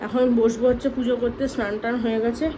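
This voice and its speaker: High-voiced Bengali mother vlogging at home. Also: fast talker, noisy background. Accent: West Bengal Bengali. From West Bengal, India. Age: 20s. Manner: sing-song coaxing to small children; calm chatty asides to viewers. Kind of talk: casual home vlog. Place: apartment at home.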